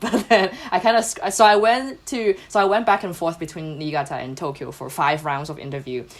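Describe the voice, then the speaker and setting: Speaking with a Cantonese accent, a woman moves at a fairly quick pace with very wide pitch swings. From Hong Kong. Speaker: travel YouTuber and former English teacher in Japan. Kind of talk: podcast interview.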